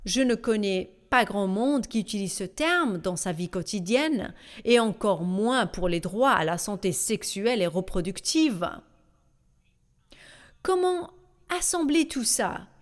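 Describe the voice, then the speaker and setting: A woman voicing a panel discussion in a measured, deliberate way, with small hesitations. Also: on the high side. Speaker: voice-over translator.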